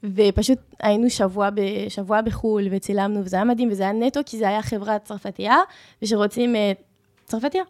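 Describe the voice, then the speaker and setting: A woman's voice: mid-range voice, fairly even intonation. A young woman with a French accent, chatting and telling stories casually as an interview guest. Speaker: content creator, interview guest. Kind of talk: casual conversational storytelling.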